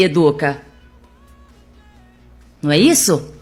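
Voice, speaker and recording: Over background music, a woman talks. Her pitch swings very widely. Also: very even loudness. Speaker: behavioral psychologist, interview guest. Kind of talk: radio interview answer.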